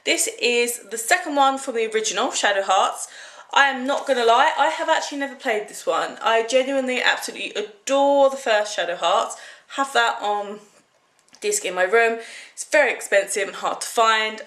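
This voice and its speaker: A woman's voice: on the high side, normal speed, a bit bright. British girl rambling on about stuff she bought, lots of likes and ums, roomy echo. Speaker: vlogger. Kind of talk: casual haul vlog chat.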